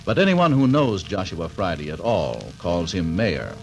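A man narrates an old radio mystery serial with ominous drama, his pitch swinging widely. Faint music sits under the vintage broadcast. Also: big pitch swings, measured pace. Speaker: announcer and narrator. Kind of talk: 1940s radio announcing.

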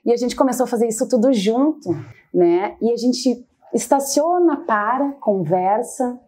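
A middle-aged woman with a fairly high voice that stays soft and mellow. She speaks with a southern Brazilian accent in a conversational, personal way, as a guest telling her story in an interview. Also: lively intonation, moderate pace.

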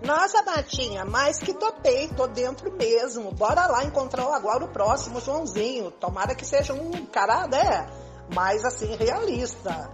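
A woman's voice: sits high, lively intonation, moderate pace, over music. An older Brazilian woman playing a sassy, scornful lady in an amateur radio soap. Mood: eager, teasing.

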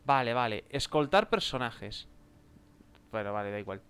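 A man's voice: mid-range voice, sing-song, moderate pace, a bit bright, clean tone. A young man with a Spain Spanish accent commenting his gameplay, exclaiming and joking, improvising mock chatter with game characters. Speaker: gameplay video creator.

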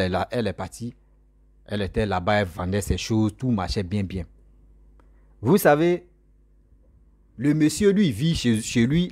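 A man's voice: lowish voice, darkish tone, dry recording. A young man, telling a story casually and animatedly into a close studio mic in a small room, repeating words for effect. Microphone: studio mic on stand, close.

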